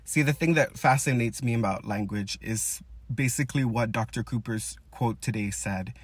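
A graduate student reads his prepared segment in an earnest, formal manner. His voice sits at a middle pitch and is recorded dry and close. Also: normal speed, slightly rough, no room sound. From Pacific Islands. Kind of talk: scripted podcast segment.

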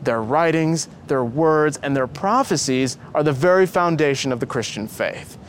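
An earnest, pious young storybook hero, read by a male narrator, reassuring and persuasive. The voice is fairly high with very varied intonation, over faint noise. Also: animated, moderate pace, close to an everyday voice. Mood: calm, persuasive. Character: earnest, pious young man counselling his friend.

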